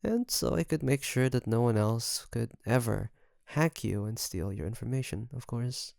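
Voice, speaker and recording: Man acting a creaky-voiced possessive yandere best friend. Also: mid-range voice, no echo, clean studio sound. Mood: smug, teasing. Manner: softly menacing, coaxing, teasing, with drawn-out phrases. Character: obsessive, possessive male best friend turned doting kidnapper. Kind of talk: intimate audio roleplay addressed to the listener.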